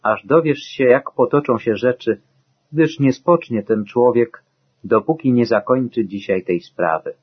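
A man reading the part of Naomi, an older mother-in-law, calm and reassuring, in a dull lo-fi recording. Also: medium pitch, a little slow, husky.

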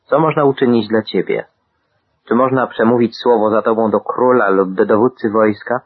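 A solemn male prophet, as a man reads him speaks in a low, husky voice. His commands come slow and measured. The sound is thin and tinny, like an old radio broadcast. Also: fairly even intonation, no echo.

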